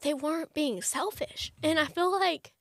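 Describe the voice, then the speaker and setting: A young woman, a chatty interview guest who talks fast with lots of fillers. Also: high-pitched, no room sound, clean studio sound. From United States. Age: young adult. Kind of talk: conversational interview.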